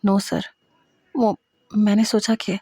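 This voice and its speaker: A woman's voice: medium pitch, little pitch movement, warm tone, no room sound, natural voice. A scared, tearful young woman in medical training, acted by a woman storyteller. The speech trembles and stammers with hesitation, in a dry audio-story recording. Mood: nervous. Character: frightened, tearful young female trainee doctor.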